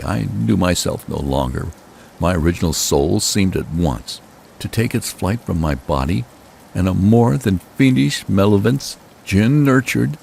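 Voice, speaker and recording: A man with a gravelly, husky voice narrating a gothic horror tale in the first person, with dramatic, deliberate phrasing. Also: deep voice, darkish tone.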